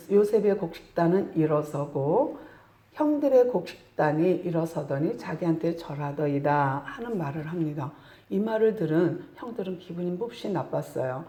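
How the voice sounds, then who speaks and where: A woman pastor preaching a sermon in a church, telling the story with animated, acted-out voices. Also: fairly low pitch. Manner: animated storytelling, acts out quotes. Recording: echoey room.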